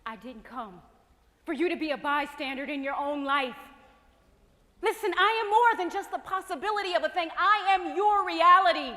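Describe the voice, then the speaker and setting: An actress playing a hopeful figure of faith, speaking tenderly and pleading. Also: female voice, very high-pitched, lively intonation, normal speed, sharp tone, full character voice. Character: gentle hopeful woman personifying faith and future. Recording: reverberant hall.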